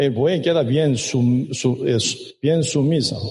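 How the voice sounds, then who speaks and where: In a Korean accent, the voice shows ordinary pitch variation against audible room echo. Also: man. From South Korea. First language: Korean (speaking Spanish). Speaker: pastor. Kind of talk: sermon. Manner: halting.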